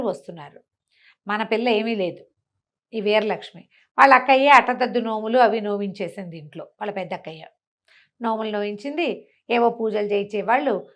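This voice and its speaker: A woman storyteller telling a folk tale in a chatty, colloquial, conversational way, acting out the characters' remarks. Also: a little high. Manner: chatty, colloquial, acts out villagers' quoted remarks.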